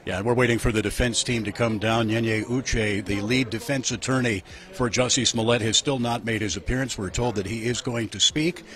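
A man's voice: mid-range voice, fairly quick. Older man reporting live on air. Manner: steady, informative on-air delivery. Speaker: television reporter. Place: outdoors at night by a courthouse. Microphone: handheld microphone.

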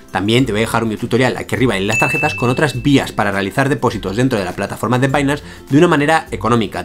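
A young man with a Spain Spanish accent, hosting a step-by-step screen-share tutorial from a small room, explaining energetically. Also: mid-range voice. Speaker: tutorial host.

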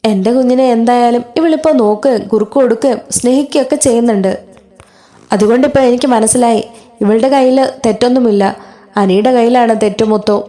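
A harsh sister who scolds and points the finger, as a woman narrator puts her on. The voice sits a little high and stays soft and mellow, with no real change from the reader's own tone. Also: quick pace, close to an everyday voice. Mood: scolding. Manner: accusing, scolding.

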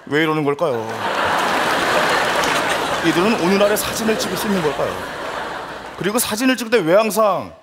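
A man's voice: high voice, big pitch swings, fairly quick, long pauses. A man narrating a sketch comedy segment in a mock-serious tone, asking rhetorical questions with laughing asides. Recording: live studio stage with audience and noise. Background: audience crowd.

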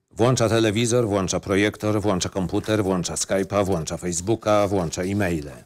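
A man reading scene headings and stage directions as the narrator of a screenplay. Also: fairly low pitch.

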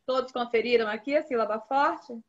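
A Brazilian woman teaching young children in an online class, patiently repeating key words slowly. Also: fairly high pitch, dull audio. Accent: Brazilian Portuguese. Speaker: primary school teacher. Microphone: video call.

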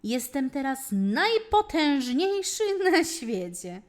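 A woman's voice: high voice, sing-song, slow, heavily acted. A woman voicing a conceited, wicked young male devil in a fairy tale, declaiming grandly. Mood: boastful. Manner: grandiose, declaiming in rhyme and boasts.

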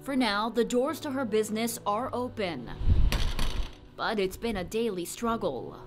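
A young woman reporter delivering a scripted news report in a crisp, measured way, partly on camera on a city street. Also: medium pitch, expressive, over music.

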